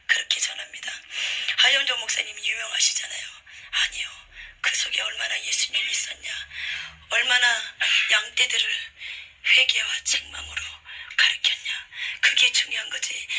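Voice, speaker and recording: A woman preacher tells a religious testimony in an earnest, emphatic way, often dropping to a breathy whisper. Her voice is fairly high and very bright and sharp. She keeps up a steady, intense storytelling flow. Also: poor audio. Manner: hushed, breathy whispering delivery.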